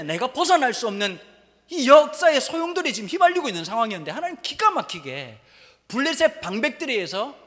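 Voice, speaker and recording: A male pastor preaches in a high, animated voice that leaps between pitches, full of jokes and stories. His voice carries through a church sanctuary with long, lingering reverb. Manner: animated, joking storyteller. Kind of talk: sermon.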